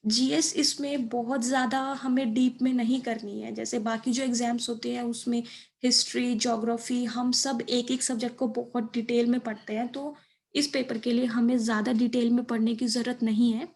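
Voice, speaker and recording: Young woman, Indian accent, high voice, very level intonation, informal study-advice presenter, explanatory. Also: flat delivery, moderate pace, a little mellow. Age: young adult. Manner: explanatory, mixes in English terms. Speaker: exam preparation video presenter.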